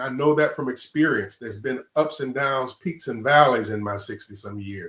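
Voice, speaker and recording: This man has an unremarkable speaking voice with a fairly high pitch. His pitch variation is ordinary. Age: 60s. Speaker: panelist. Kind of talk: panel discussion.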